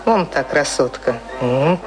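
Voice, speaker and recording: An actress in a radio play playing a frank, caring working girl who speaks earnestly and plainly, gently scolding. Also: extremely low pitch, expressive, slow pace, full character voice. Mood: probing. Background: music.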